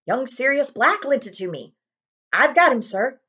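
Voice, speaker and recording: Big gentle giant, played by a woman reader, humble, emotional, animated pitch, storybook style. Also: moderate pace, breathy edge, heavily acted. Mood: respectful. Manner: deferential, simple, emotional. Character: huge, shaggy, soft-hearted giant man.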